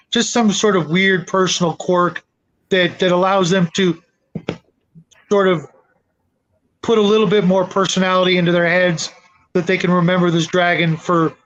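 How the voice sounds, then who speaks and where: A man's voice: sits high, a bit bright, a little hiss or hum. A man hosting a casual panel discussion on a hobby, explaining things by way of examples. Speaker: host of a tabletop gaming panel. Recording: dull lo-fi audio.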